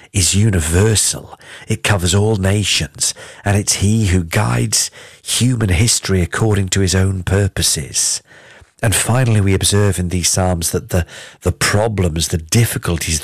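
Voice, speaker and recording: Slow, deep-voiced male Bible teacher. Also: husky, dry recording, clean studio sound. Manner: measured, earnest teaching. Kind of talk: reading scripture and explaining it.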